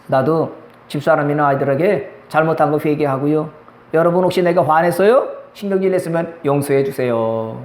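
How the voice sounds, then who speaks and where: A middle-aged man preaches a sermon in a high, bright-toned voice, asking questions and slipping into the voices of the people he quotes. The sound rings around a reverberant church sanctuary. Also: brisk. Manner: call-and-response preaching, acting out quoted voices. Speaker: pastor. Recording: echoey church hall.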